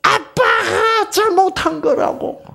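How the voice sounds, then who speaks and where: A man voicing a young girl who wails in guilty distress with high sobbing cries. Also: slow pace, creaky, pushed and bright, full character voice. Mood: wailing.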